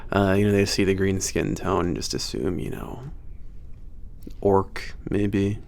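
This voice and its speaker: A man's voice: sits low, measured pace, gravelly, a little mellow, a little hiss or hum. A man playing a casual werewolf maintenance trainer with some attitude, teasing and a little hesitant, in an ASMR audio drama. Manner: hesitant, teasing, sighing and chuckling casual talk.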